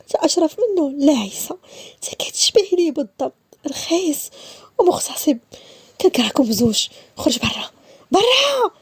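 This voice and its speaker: A woman voicing a furious young wife who shouts in a high, strained Moroccan voice. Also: big pitch swings, normal speed, no echo.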